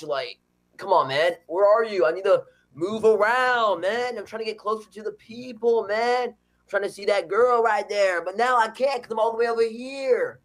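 Guy doing stuck ocean waves as a whiny surfer dude, kinda high voice, all like and man. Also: a bit bright. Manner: slacker drawl full of "like" and "man". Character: laid-back male ocean waves stuck on shore.

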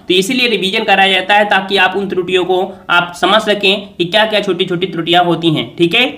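A man's voice: high-pitched, sharp tone. A man teaching an exam revision lesson, quizzing viewers and repeating each answer as a question.

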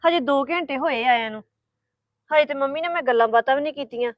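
A woman's voice: high voice, quick pace, dry recording, muffled recording, close to an everyday voice. An actress playing a stubborn young wife who argues back at her husband in a family drama. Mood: arguing. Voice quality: argumentative, retorting. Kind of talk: Punjabi family drama acting.

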